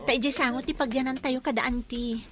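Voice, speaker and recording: A chatty radio-drama guest, voiced by a woman who asks curious questions. Her voice is high, and clear crowd chatter fills the background. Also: fairly even intonation, fast, natural voice.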